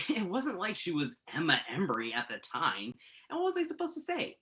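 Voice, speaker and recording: Wry, bright-voiced, very animated young journalist played by a man. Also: high voice, normal speed, heavily acted. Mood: sheepish. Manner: wry, sarcastic, protesting. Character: exasperated, principled young male entertainment journalist. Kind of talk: virtual staged play reading, naturalistic dialogue.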